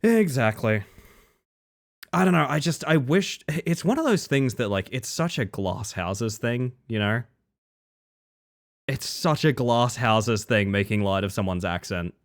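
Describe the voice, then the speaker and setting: A man's voice: medium pitch, lively intonation, a little slow. A man with an Australian accent, chatting casually with his live-stream audience while gaming, reading chat aloud and swearing now and then.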